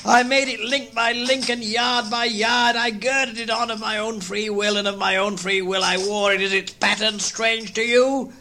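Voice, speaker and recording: A man's voice: high voice, steady tone, bright, forceful tone, pitched above the performer's own voice. A man voicing Marley's wailing, chained ghost. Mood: mournful. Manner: wailing, drawn-out, theatrical delivery. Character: Marley's ghost, a wailing, chained, remorseful old male spirit.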